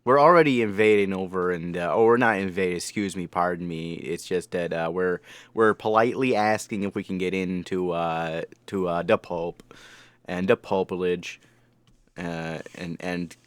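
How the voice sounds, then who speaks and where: Deep-voiced man giving casual reaction commentary. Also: fairly bright tone, clean tone, dry recording. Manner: halting, rambling, joking. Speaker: anime reviewer and reaction host.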